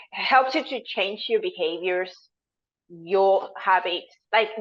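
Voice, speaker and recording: A woman, from Venezuela, speaking as a dietitian guest. She explains earnestly at a mid-range pitch and often searches for her words. The audio is somewhat dull and lo-fi. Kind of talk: conversational interview answer.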